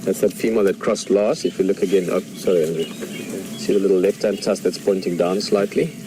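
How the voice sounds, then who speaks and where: A man's voice: low-pitched, fairly even intonation, fairly quick. South African man guiding a safari. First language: Afrikaans. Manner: enthusiastic, chatty, answering viewer questions. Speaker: safari guide. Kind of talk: live safari commentary. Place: outdoors, open game-drive vehicle in the bush. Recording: outdoor noise, vehicle and birds.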